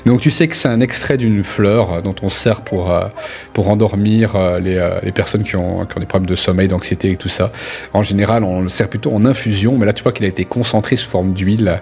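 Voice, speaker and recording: A man's voice: on the low side, steady tone, fairly quick, darkish tone. A man from Belgium narrating a tabletop role-playing game as game master in a casual, colloquial and joking way.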